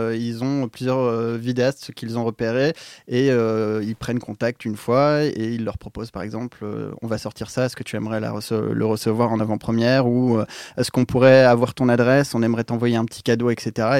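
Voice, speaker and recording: In a dry, close recording with no echo and a quiet background, a man speaks at a fairly quick pace and medium pitch with monotone, flat intonation. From France, Brittany. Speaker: YouTube video creator. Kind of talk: casual chat.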